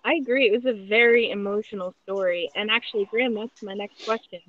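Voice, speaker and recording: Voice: medium pitch, fairly even intonation, fast talker. A guest podcast host chatting casually and asking interview questions on a dull, lo-fi recording.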